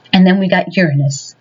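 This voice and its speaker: A woman's voice: mid-range voice, a little mellow, muffled recording. A woman giving a casual tarot reading to her viewers. She talks in a rambling way and fills her sentences with many "you know"s. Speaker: tarot reader.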